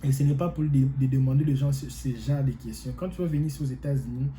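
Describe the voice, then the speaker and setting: A man whose first language is not French talks casually to his viewers in a very dark, mellow voice. He rambles, repeats phrases and hesitates a lot. Faint ambient noise sits behind him. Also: mid-range voice, fairly even intonation, fast talker. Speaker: vlogger giving advice. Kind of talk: casual advice talk to viewers.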